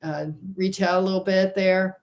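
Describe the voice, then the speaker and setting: A woman's voice: mid-range voice, fairly even intonation, normal speed. A woman instructor wrapping up an online class over a video call, chatty and apologetic, often laughing. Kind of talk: casual wrap-up of an online class. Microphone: computer mic on a video call.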